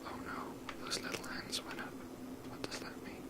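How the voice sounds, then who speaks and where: Someone whispering thru a game playthrough, breathy asmr, gentle and rambly. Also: normal speed. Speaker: video creator playing and commenting on a game. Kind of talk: whispered ASMR gameplay commentary.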